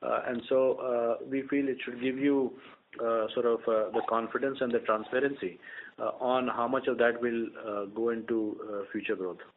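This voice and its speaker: Male executive, mid-pitched voice, tinny call audio, measured and hesitant, earnings call answer. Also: level tone, a little hiss or hum. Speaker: company executive. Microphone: conference call line. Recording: narrow-band conference phone line.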